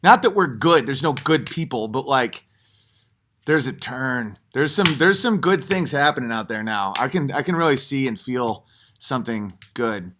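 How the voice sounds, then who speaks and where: A man's voice: mid-range voice, normal speed. A man hosting his own stream, telling digressive stories in a rambling, off-the-cuff monologue full of fillers and restarts. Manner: animated, jumps into mock voices for punchlines.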